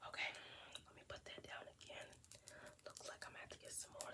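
A man whispering. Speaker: ASMR creator. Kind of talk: ASMR role play with affirmations. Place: home room. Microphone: phone near.

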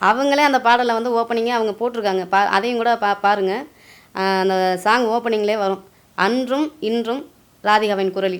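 A very clean recording with a silent background carries a voice whose intonation stays fairly even. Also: woman, fairly high pitch for a woman. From Tamil Nadu, Thanjavur village. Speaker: folk singer. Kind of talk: interview.

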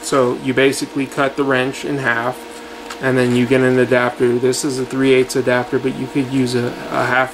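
A man at a moderate pace, monotone, flat intonation, with noticeable background noise. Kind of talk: tutorial. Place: workshop. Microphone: camera far.

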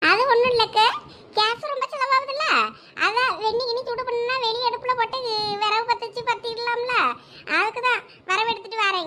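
A woman uses a put-on character voice at an extremely high pitch. She keeps a moderate pace and a fairly even intonation. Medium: voice reel. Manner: chatty, casual.

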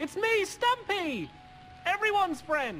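Over clear background music, a woman uses a squeaky, put-on character voice at an extremely high pitch and a fairly slow pace. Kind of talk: game character dialogue. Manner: nervous. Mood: cheerful, eager to please.

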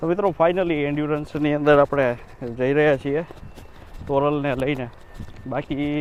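A man with a fairly high pitch and fairly even intonation speaks while noticeable background noise carries on behind him. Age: 20s. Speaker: horse vlogger. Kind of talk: vlog narration.

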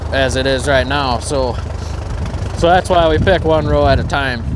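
A dry sound with no echo, noticeable background noise and a moderate pace. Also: man. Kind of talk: casual explanation to viewers. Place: farm machine.

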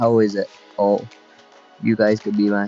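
Over music in the background, a man speaks at a fairly slow pace and a fairly low pitch. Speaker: mobile game streamer. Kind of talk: casual livestream chat.

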